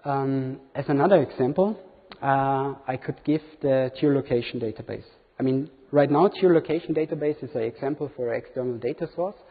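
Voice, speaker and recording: A man's voice: mid-range voice, fairly quick. A man in his thirties, not a native English speaker, giving a hesitant demo talk with many fillers in a large conference hall. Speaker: conference presenter. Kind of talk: live product demo talk. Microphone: room recording from far camera. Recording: tinny, reverberant hall from far off.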